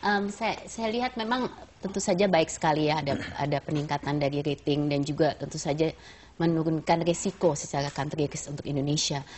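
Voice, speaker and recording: A woman giving explanatory answers as a business panel guest, measured and mixing in English business terms. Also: deep voice, steady tone, darkish tone, slight background noise.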